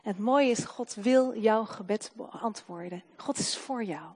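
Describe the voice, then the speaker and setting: A woman preaching a sermon to her congregation, swinging between loud proclamation and soft, slowed emphasis. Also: mid-range voice, breathy edge.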